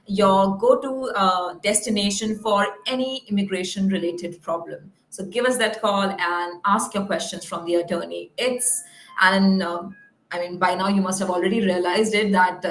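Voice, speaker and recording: A woman's voice: medium pitch, fairly bright tone. Woman hosting live, roomy echo. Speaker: live call-in show host. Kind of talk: unscripted live show hosting. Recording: roomy, echoing sound.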